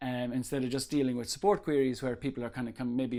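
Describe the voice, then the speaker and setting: In an Irish accent, a man with a medium-pitched voice and a dark, mellow tone talks with fairly even intonation on a very clean recording with a silent background. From Ireland. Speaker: software company founder and CEO. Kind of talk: interview. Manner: halting, with many fillers and restarts.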